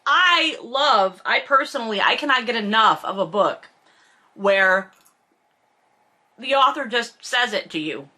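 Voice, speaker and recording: This woman's voice sits on the high side, sharp-toned and expressive, and she takes her time. She runs a book read-along, reading passages and adding casual, profane commentary that is blunt, sarcastic and emphatic.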